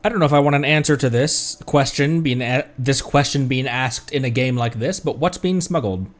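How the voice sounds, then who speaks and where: A man's voice: medium pitch, moderate pace. A man streaming a game, reacting with chatty, joking commentary. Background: game music.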